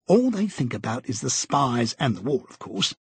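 A man's voice: mid-range voice, sing-song, moderate pace, slightly rough, no echo, full character voice. A man reading aloud, voicing a bluff, hearty middle-aged man who is an eager busybody, talking in a jovial, chummy, pushy way.

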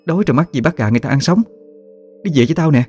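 A man's voice: a little high, lively intonation, rapid-fire, darkish tone, breathy edge, soft background music, pitched above the performer's own voice. A man voicing a worried young woman, scolding urgently.

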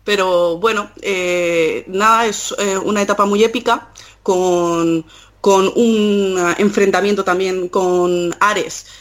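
A woman guest on a podcast chatting casually about comics, pausing often with fillers. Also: mid-range voice, steady tone. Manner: thoughtful, hesitant with many fillers.

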